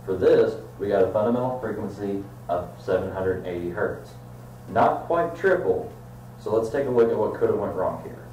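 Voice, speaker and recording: Young man, low dark voice, explanatory science presenting, distant echoey mic, faint hum. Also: expressive, normal speed. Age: young adult. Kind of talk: scripted explainer to camera. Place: indoor room in front of a whiteboard.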